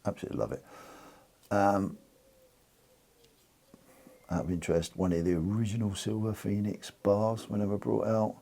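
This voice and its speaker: Low, husky-voiced British man chatting. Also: little pitch movement, a little slow, pauses often, dark tone. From United Kingdom. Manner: rambling, restarts and fillers, informal. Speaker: precious metals channel host. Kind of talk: casual chat to camera.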